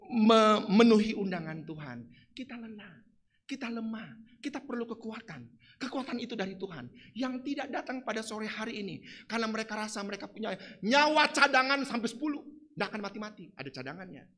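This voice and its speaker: A man preaching a sermon in a church, swinging from soft asides to shouted lines. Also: sits high.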